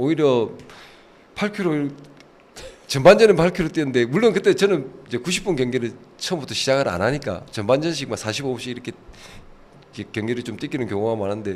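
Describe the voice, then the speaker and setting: A man talks very fast at medium pitch, his voice making very wide pitch swings. Long, frequent pauses break up his speech. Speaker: football head coach. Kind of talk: casual talk show interview.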